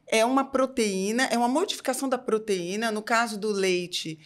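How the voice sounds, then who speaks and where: A woman's voice: a little high, fairly even intonation, normal speed. Brazilian woman in her forties explaining conversationally. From Salvador, Bahia, Brazil. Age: 40s. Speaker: guest, doctor. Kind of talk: interview answers, explanatory and conversational.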